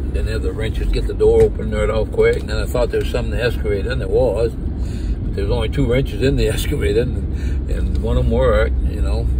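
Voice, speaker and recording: A man with a Maine accent at a very fast pace, hardly any pauses, and noticeable background noise. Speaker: logger. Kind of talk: casual storytelling. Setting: outdoors.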